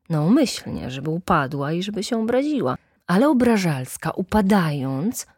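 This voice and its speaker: Slow, dry-voiced woman reading a storybook. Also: low-pitched, breathy edge, no echo. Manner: slow, expressive, animated quoting.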